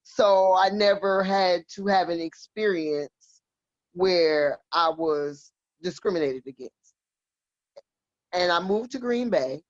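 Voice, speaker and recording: A woman's voice: on the low side, slow, no echo. Forties woman from milwaukee chatting on a podcast, salty and frank, muffled lo-fi sound. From Milwaukee, Wisconsin. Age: 40s. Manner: frank, laughing, salty storytelling. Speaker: podcast guest. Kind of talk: casual chat, personal storytelling. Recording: dull lo-fi dry sound.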